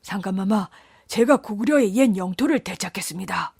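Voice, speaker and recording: A woman's voice: mid-range voice, animated, moderate pace, gravelly, darkish tone, husky, no echo, clean studio sound. A woman voicing a brave young male general in a folktale, speaking earnestly and formally. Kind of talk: storybook narration.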